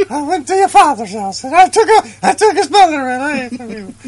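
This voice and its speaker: In a put-on character voice with an Irish accent, a high-pitched speaker talks at a fairly quick pace. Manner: threatening.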